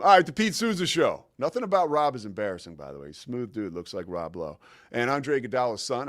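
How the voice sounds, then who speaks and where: A man's voice: lowish voice, a bit bright, no room sound, clean studio sound. A man in his forties hosting his own show, telling a long personal story in a casual, rambling way with lots of fillers and restarts. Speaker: show host.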